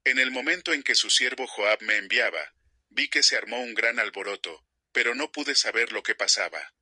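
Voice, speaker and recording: A man's voice: mid-range voice, moderate pace, sharp tone, husky, no room sound. A man reading as an eager young messenger. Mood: earnest.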